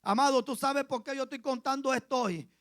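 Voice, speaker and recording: A male pastor with a Colombian Caribbean accent preaches a sermon as a story, repeating phrases for emphasis and swinging from soft asides to loud cries. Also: very high voice, brisk, dry recording. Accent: Colombian Caribbean Spanish.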